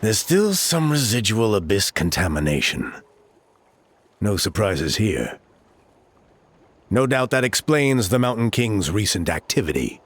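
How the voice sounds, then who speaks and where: Calm tribal guide walking you through a ritual, lowish voice, lots of lilt and movement in it, patient. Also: male voice, unhurried, pauses often, a little hiss or hum. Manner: patient, explanatory, with a wry chuckle. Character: male tribal guide explaining a sacred rite, patient and composed. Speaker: ceremony guide. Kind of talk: video game voice acting.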